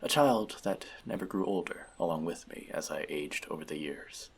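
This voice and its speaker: Deep, gravelly elf mentor played by a man. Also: animated, normal speed, heavily acted. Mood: reflective, gentle. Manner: conversational, teasing, reflective. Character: male elf friend, wise, teasing, gentle magic mentor. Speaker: voice actor. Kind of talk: fantasy audio roleplay addressed to the listener.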